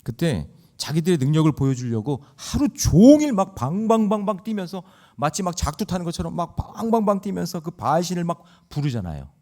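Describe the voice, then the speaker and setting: A man's voice: fairly high pitch, sing-song, brisk, dark tone. A man preaching a sermon in church, acting out scenes and exhorting the congregation. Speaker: pastor. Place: church sanctuary.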